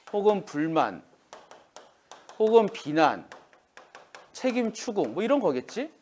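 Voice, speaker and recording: A man teaching a classroom lesson, speaking informally to students and acting out quoted lines. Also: sits high. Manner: lively, acts out quoted lines. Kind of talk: classroom lecture.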